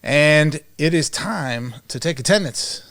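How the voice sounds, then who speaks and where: A man's voice: on the high side, animated, slow, a bit bright, no room sound, clean studio sound. A man co-hosting an education podcast in a casual, thinking-aloud way with plenty of fillers. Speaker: podcast co-host. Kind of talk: casual conversational podcast chat.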